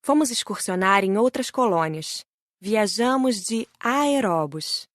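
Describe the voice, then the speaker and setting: A woman's voice: medium pitch, measured pace, dry recording, studio quality. Woman with a Brazilian accent, audiobook narrator. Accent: Brazilian Portuguese. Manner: gentle, admiring, steady reading. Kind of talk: scripted first-person narration of a spiritual book.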